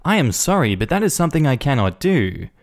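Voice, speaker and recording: A man's voice: mid-range voice, sing-song, brisk, pitched above the performer's own voice. A man voicing a polite, apologetic young woman receptionist at a clinic. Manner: overly apologetic, soft and courteous.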